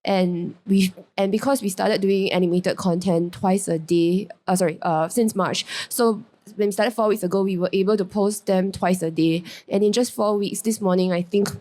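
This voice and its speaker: A woman's voice: mid-range voice, steady tone, normal speed, dark tone. A woman with a Singaporean accent, speaking as a guest on a business panel, chatty, with frequent restarts and self-corrections. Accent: Singaporean English. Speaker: guest, character brand founder. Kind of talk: panel discussion.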